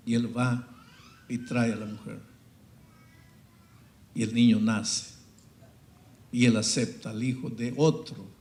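A male pastor preaching a sermon, dramatic and storytelling, swinging between loud peaks and hushed passages. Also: mid-range voice, fairly even intonation, slow, long pauses, reverberant.

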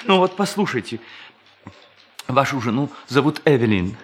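An actor playing a desperate, ageing male embezzler in a radio play, halting and stammering as he pleads. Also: medium pitch, big pitch swings, husky. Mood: frantic pleading. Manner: halting, stammering, repeats himself imploringly. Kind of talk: Russian radio play acting.

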